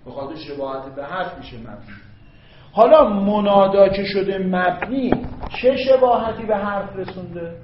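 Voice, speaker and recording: A man's voice: high-pitched, expressive, slight background noise. Man lecturing in an echoey classroom. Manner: keeps checking if students follow. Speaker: Arabic grammar teacher. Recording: echoey, dull classroom recording.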